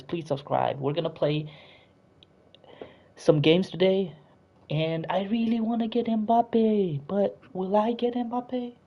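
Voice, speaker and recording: With a sore throat, a man hosts a casual live stream, chatting with plenty of fillers and begging viewers to like and subscribe. His voice is slightly high and gravelly, and the audio sounds dull.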